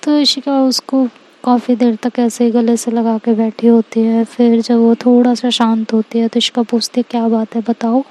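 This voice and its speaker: A woman narrates a story in a calm, steady manner, stringing events together with small linking fillers. Her voice sits fairly high with a flat, even contour. The tone is soft and mellow. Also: moderate pace, low-quality recording.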